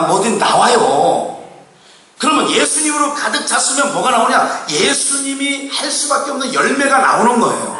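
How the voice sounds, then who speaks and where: High bright-voiced preacher in an echoing hall. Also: male voice. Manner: preaching with constant rhetorical questions to the congregation; colloquial and animated, with laughs and bursts of shouting. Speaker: pastor. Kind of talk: sermon. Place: church sanctuary. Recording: echoey hall, mic far from speaker.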